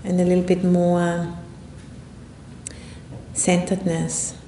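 A woman giving a guided meditation talk as a meditation teacher, speaking in an unhurried, reflective way with long pauses. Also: monotone, mellow. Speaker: Buddhist nun and meditation teacher. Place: indoor room at a retreat center. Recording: roomy echo, faint rumbling background noise.

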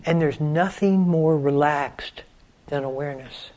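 Slow-spoken older man guiding meditation. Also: fairly high pitch. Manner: slow, gentle, unhurried with long pauses. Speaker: meditation teacher. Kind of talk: guided meditation.

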